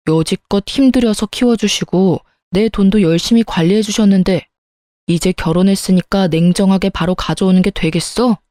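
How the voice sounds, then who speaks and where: A wavering young husband, as a woman narrator acts him out, pushing back with wounded indignation. The voice sounds mellow and warm. It is recorded close and dry. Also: mid-range voice, normal speed, no room sound, close to an everyday voice. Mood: defensive. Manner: defensive, indignant. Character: indecisive defensive young husband.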